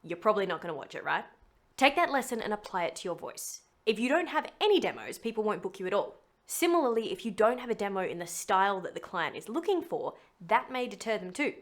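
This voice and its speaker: A woman's voice: mid-range voice, big pitch swings, fast. Chatty, emphatic woman presenting a tutorial. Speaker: voiceover actor and video host. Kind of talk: scripted tutorial to camera.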